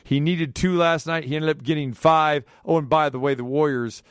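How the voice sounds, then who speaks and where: A man's voice: a little high, steady tone, moderate pace, clean tone, no echo. A man hosting a sports radio show, chatting casually and teasing his guest, with many restarts.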